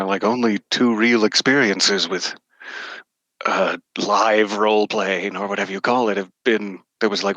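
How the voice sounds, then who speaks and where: A man's voice: fairly low pitch, sharp tone, no echo, low-quality recording. A man giving a casual interview as a voice actor guest, joking and self-deprecating as he talks.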